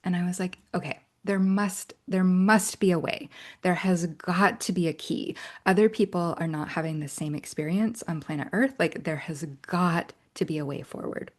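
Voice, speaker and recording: Running an online workshop, this middle-aged coach speaks English as her first language in a fairly low voice at a moderate pace. She's earnest and personal, often asking "right?" and dropping into soft, whispery asides.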